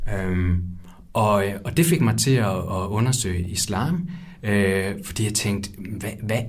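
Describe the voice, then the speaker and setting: In a room with audible echo and noticeable background noise, a man talks at a fairly slow pace with a fairly low pitch. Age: 30s. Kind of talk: personal faith testimony interview. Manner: hesitant, many fillers.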